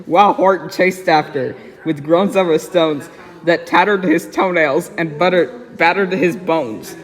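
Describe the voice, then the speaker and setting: A man giving a dramatic reading of a rhyming children's storybook, stumbling a little over words. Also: on the high side. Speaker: storybook reader. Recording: echoey, very reverberant room.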